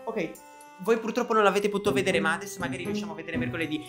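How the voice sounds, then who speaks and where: A young man vlogging at home, talking excitably and jumpily straight to his viewers in an acted comedy vlog. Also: high-pitched, rapid-fire, music in the background. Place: home, indoors.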